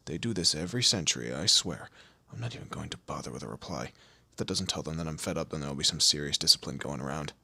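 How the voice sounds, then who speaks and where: A man playing a commanding, teasing demon lord in an audio roleplay, with a low gravelly, husky voice and an imperious, theatrical manner. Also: expressive, fast talker, hardly any pauses, pushed and bright, no echo, full character voice. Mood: irritated, amused. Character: male demon lord, commanding, menacing, teasing boss of hell. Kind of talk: scripted audio roleplay addressed to the listener.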